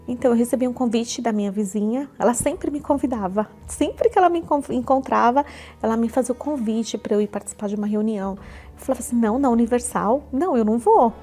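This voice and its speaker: A woman's voice: on the high side, fast, mellow. A Brazilian woman in her forties giving an earnest personal testimony, often repeating herself. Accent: Brazilian Portuguese. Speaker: church member giving a testimony. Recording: faint music underneath.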